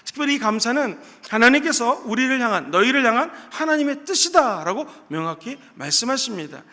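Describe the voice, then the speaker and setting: Man preacher, high bright tone, storytelling sermon with loud swells, church hall echo. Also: big pitch swings, fairly quick. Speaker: pastor. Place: church sanctuary.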